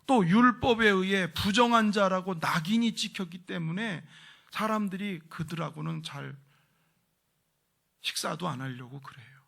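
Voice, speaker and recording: Gravelly-voiced Korean pastor preaching. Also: male voice, sits high, fairly bright tone. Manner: emphatic preaching, drops to a whisper for stress; leads the congregation in responsive reading. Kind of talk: sermon. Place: church sanctuary.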